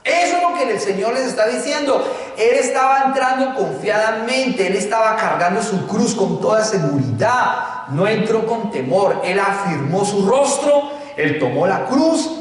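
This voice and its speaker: A man's voice: high voice, lively intonation, a little slow. A man preaching a sermon, driving his points home with emphatic rhetorical questions. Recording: distant mic, echoey hall.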